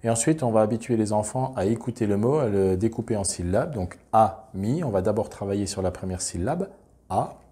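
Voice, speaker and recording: A man calmly explaining, step by step, how a classroom reading and spelling activity works. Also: on the low side, quick pace, few pauses. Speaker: teacher explaining a reading method. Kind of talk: instructional demonstration.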